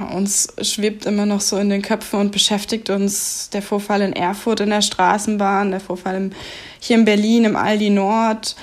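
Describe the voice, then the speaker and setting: Her intonation is monotone and flat. The woman speaks at a medium pitch and a moderate pace. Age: 20s. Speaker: newspaper editor and podcast host. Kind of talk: casual chat. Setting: video call from home.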